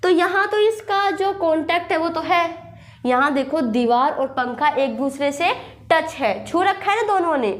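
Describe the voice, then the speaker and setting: A young woman, teaching English grammar in a classroom style with a sore throat, repeating points and reading example sentences slowly. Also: very high-pitched, lively intonation. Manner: repetitive, checks understanding with "thik hai". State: sore throat with a slight cough. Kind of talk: classroom lesson, explaining with examples.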